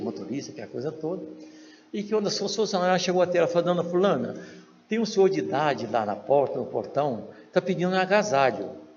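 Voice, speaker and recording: Man, Brazilian accent, storytelling lecture, acts out dialogue, long hall reverb, faint background noise. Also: highs cut off. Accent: Brazilian Portuguese. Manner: acts out quoted dialogue with lively shifts in pitch. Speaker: spiritist lecturer.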